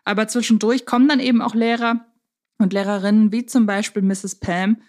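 Mid-pitched woman podcast host. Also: little pitch movement, brisk, darkish tone. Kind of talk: casual analytical fan discussion.

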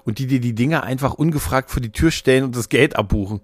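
A man hosts a podcast, chatting casually about games and films in a rambling, jokey way and often interrupting himself. His voice is medium in pitch, he talks fast, and there's no echo.

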